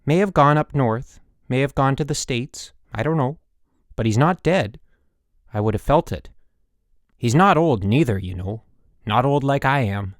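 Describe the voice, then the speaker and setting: A man's voice: mid-range voice, dry recording, studio quality. Man voicing a chatty, stubborn old country woman. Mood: insistent, defiant. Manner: folksy, rambling, emphatic storytelling. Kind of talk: audiobook character dialogue.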